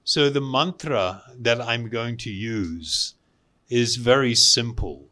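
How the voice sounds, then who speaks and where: Guy teaching meditation to a group, really slow n deliberate, short phrases w pauses, clear bright voice. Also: mid-range voice. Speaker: meditation teacher giving a talk. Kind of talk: spiritual talk to a group, instructional.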